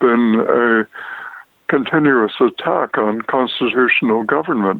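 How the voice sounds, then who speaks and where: A man of medium pitch at a very slow pace. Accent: American. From American parents. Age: 80s+. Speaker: scientist and peace activist. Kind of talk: interview answer. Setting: phone line. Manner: hesitant, many fillers.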